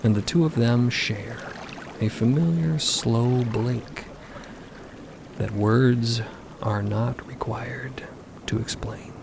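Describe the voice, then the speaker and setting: A man performing in a laid-back audio drama storytelling style, savoring his pauses. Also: medium pitch, gravelly, background noise. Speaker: podcast cast member. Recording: loud water ambience under voice.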